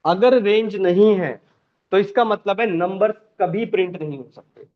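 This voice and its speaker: A man teaches a programming class. He questions the students often and repeats each point slowly. The recording sounds dull and lo-fi. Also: sits high.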